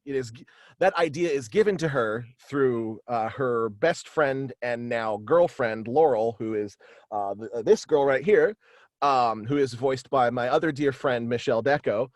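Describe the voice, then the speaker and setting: A man in his thirties casually explaining his creative work as an interview guest, in a halting, meandering way. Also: mid-range voice, dry recording. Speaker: guest, voice actor and writer. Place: small indoor home setup, video call.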